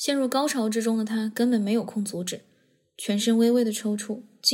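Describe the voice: The voice is plain reading aloud with fairly even intonation. Behind it, the background is quiet.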